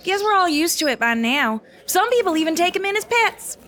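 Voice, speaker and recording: An eager young huntress in a fantasy audio drama. Her voice is high and very animated. She is cheeky, informal and folksy. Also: fairly quick, exaggerated voice. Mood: friendly, chatty.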